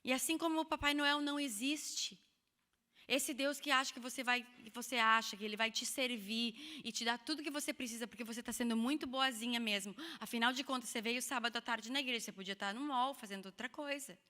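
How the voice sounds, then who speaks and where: Woman preacher, high and bright, lively sermon with jokes, long hall reverb. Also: brisk. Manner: expressive and animated, with humorous asides to the audience. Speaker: preacher at a women's church meeting. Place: church hall.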